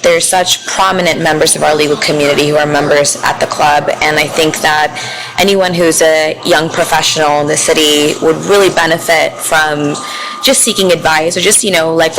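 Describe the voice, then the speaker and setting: A woman's voice: low voice, flat delivery, normal speed, a crowd in the background, rough recording. A young woman, born in India and raised in Houston, chatting as a podcast guest about her work as a lawyer, laughing easily and using many fillers. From born in India, raised in Houston, Texas. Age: young adult. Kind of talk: casual chat.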